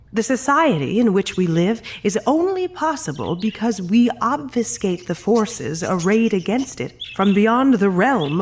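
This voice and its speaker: A man's voice: high voice, slight background noise, heavily acted. A senior agent of a secretive organization in an audio drama. He is solemn and courteous. His phrasing is formal and eloquent.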